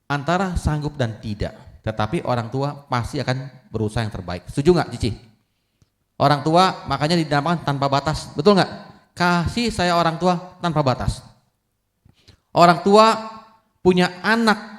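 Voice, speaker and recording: A man in his forties preaching a Buddhist sermon in an ordinary, middle-pitched voice. His delivery is lively, and he keeps turning to the congregation to ask if they agree. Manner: lively, keeps asking the audience "betul nggak?". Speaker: Buddhist Dharma speaker.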